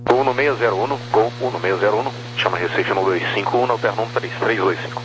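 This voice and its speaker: A man making brief, quick air traffic calls over a crackly radio. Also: lowish voice. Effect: crackly aviation radio. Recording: noisy crackly radio with mains hum.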